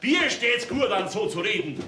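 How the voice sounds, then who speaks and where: An actor with a Bavarian accent playing a bossy, self-righteous middle-aged farmer father who shouts orders, on a theater stage. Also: sits high, big pitch swings, normal speed, slight background noise, full character voice. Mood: blustering. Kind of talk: folk theater comedy acting. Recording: echoey stage recording.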